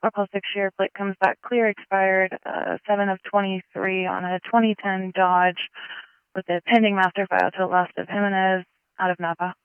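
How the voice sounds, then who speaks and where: A police dispatcher, a man, reading out alerts and plate checks in rapid, level codes over a police radio transmission. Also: high voice, level tone, smooth, no echo. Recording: tinny radio channel.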